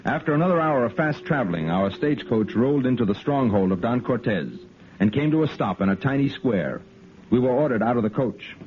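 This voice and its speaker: A firm, commanding cavalry lieutenant, played by a man narrating a 1950s radio adventure. His pitch moves a lot, in a lively way. The sound is thin and phone-like. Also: brisk, lightly acted. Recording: tinny 1950s radio broadcast.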